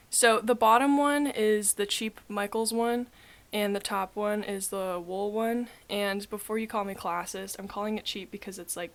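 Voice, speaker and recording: A woman, sounding sniffly and talking through a crochet tutorial in a chatty, rambling way full of fillers. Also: medium pitch. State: sniffly with a cold. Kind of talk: casual spoken tutorial.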